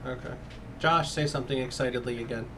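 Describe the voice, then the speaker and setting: A man's voice: medium pitch, quick pace, sharp tone, a little hiss or hum. A man acting as game master, chatting casually over an online voice call. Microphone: computer mic on an online call.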